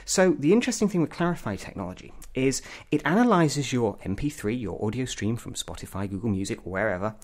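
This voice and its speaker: A man's voice: medium pitch, lively intonation, brisk, hardly any pauses. A man giving an opinionated gadget review as a tech reviewer, putting emphatic stress on key words.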